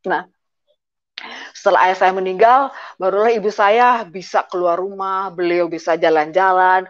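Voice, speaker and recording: Retelling painful events from her family life, a middle-aged female guest shares her conversion testimony haltingly, with plenty of filler sounds. Her lowish voice stays fairly even in intonation at a normal speed. The recording has a dull, lo-fi quality.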